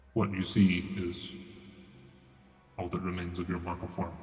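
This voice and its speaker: The speaker uses a put-on character voice in a monotone, flat intonation. A slight echo can be heard. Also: man, very deep, low pitch for a man, moderate pace. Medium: actual play. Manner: calm, measured.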